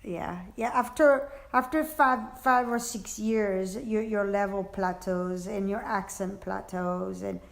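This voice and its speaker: A woman answering interview questions about her work as an interpreter, halting and searching for words, often restarting. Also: medium pitch, fairly even intonation, gravelly. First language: French. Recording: echoey room.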